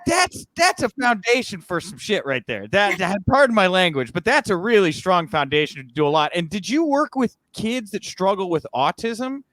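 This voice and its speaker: A man's voice: high voice, sing-song, normal speed, few pauses, fairly bright tone, no room sound. A man hosting a casual interview over a video call, chatty and self-deprecating. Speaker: interview host.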